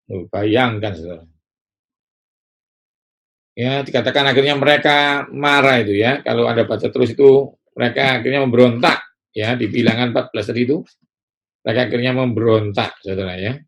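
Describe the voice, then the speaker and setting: Man, preacher, sermon, gravelly voice, middle pitch, lively delivery, acts out voices. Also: fairly quick, pauses often.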